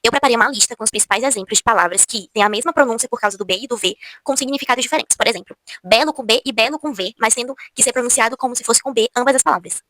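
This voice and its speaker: A Brazilian woman gives a casual video lesson in a quick, fairly high voice. She often slows down to repeat single words and show how each sound is formed. The recording is close and dry. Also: bright, forceful tone, dry recording. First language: Portuguese. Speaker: Spanish teacher.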